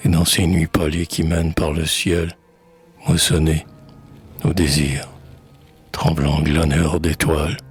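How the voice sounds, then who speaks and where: A man reading poetry aloud in a solemn, measured, declamatory recitation. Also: sits low, slightly rough. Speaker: poetry reader.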